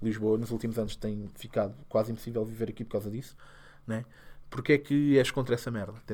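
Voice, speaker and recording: Very fast and fairly even in intonation, a man talks with a dark, mellow tone at medium pitch. The recording is very clean, its background silent. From Lisbon, Portugal. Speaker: comedian and podcast host. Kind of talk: casual chat.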